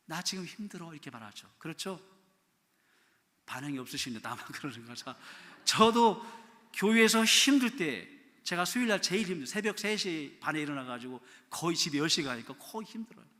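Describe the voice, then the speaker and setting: A middle-aged man preaching in a church sanctuary, his voice high and ringing bright. He acts out prayers and quotes as he goes, moving between loud cries and hushed pleas. The hall adds a long reverb around every word. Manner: animated preaching, acting out prayers and quotes, shouting then dropping soft. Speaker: pastor. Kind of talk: sermon.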